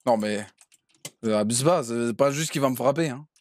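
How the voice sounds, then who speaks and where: A man's voice: medium pitch, moderate pace. A man streaming a roleplay game as a cheeky defendant, talking in slang and laughing often. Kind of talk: in-character roleplay chat.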